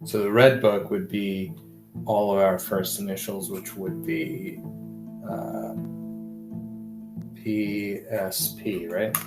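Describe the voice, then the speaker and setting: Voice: low-pitched, takes it slowly, pauses often, echoey room, over music, rough recording. A tabletop game player in casual chat, working through a puzzle aloud.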